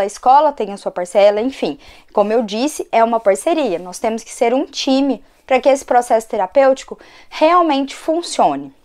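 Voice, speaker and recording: A hoarse woman, fighting a cold, giving a conversational educational talk to her channel as an occupational therapist. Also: on the high side, darkish tone. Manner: conversational, frequent tag questions.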